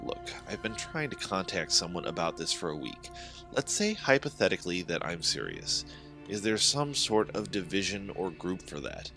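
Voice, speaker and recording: A man's voice: sits low, big pitch swings, moderate pace, music in the background. Man acting an exasperated, insistent young man. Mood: strained patience. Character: exasperated, anxious young man pleading to be believed.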